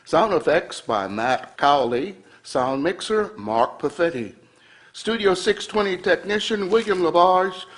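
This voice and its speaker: A man's voice: sits high, animated, unhurried. A man working as a radio theater announcer, reading scripted credits.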